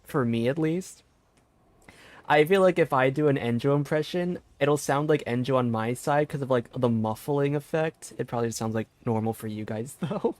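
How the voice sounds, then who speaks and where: A man's voice: medium pitch, normal speed, darkish tone. A man streaming a game, commenting casually in a giggly, rambling, self-deprecating way into a headset.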